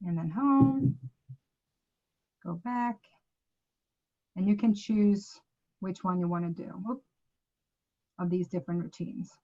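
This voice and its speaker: Swedish-accented woman, casual presenter, mid-pitched, dull call audio. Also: slow, pauses often, mellow. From Sweden. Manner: chatty, loose, frequent self-corrections. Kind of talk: casual screen-share app demo.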